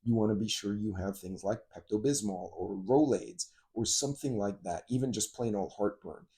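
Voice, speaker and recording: A man's voice: on the low side, moderate pace, warm tone. A middle-aged man hosting a casual vlog, talking in a rambling, conversational way with frequent asides and practical advice. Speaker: host of a preparedness and travel channel.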